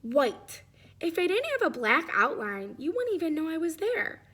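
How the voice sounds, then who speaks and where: Woman as a plaintive, high-pitched white crayon. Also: big pitch swings, moderate pace, a bit bright, full character voice. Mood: forlorn. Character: forlorn, overlooked, empty-feeling male white crayon.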